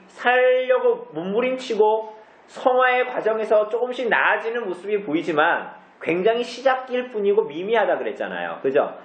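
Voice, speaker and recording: A man teaches a church group, his high voice rising and falling a lot. He keeps asking the congregation questions and answering them himself. He is recorded from far off in a very echoey room, and the sound is dull. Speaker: pastor.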